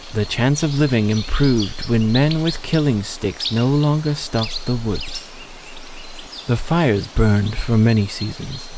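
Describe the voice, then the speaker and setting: A man with a mid-pitched voice narrates a scripted audio story. Faint outdoor nature sounds and insects run behind his reading. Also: background noise.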